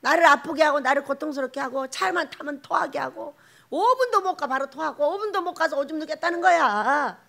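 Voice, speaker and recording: A woman pastor delivering a lively Sunday sermon, swinging between loud exclamations and hushed asides, often laughing as she tells stories. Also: sits high, brisk, vocal fry.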